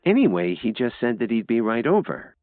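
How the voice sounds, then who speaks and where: A man voicing a shy, anxious young woman in an audiobook, talking softly and hesitantly. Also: mid-range voice, very animated, fairly quick, dry recording, voice pushed up, close to an everyday voice. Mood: worried. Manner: soft, hesitant and worried. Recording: dry, tinny phone-like sound.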